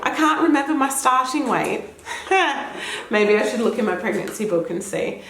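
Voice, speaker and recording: A woman's voice: on the high side, animated, moderate pace, background noise. A young Australian woman chatting casually to camera at home, a little throaty from a cold, rambling and laughing often. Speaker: vlogger. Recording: echoey room.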